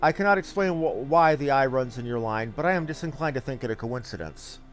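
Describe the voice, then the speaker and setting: A man's voice: mid-range voice, animated, a little fast, soft background music, close to an everyday voice. A man voicing a solemn ancient guardian from a fantasy game, speaking in formal, archaic phrases. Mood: calm, reassuring. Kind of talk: fantasy game dialogue read aloud.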